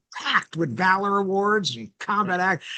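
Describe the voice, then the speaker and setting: A man projects a raised voice with an American accent. His pitch varies in an ordinary way. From northwestern New Jersey (born Schenectady, NY). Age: 60s. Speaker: retired Marine officer. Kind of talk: interview storytelling.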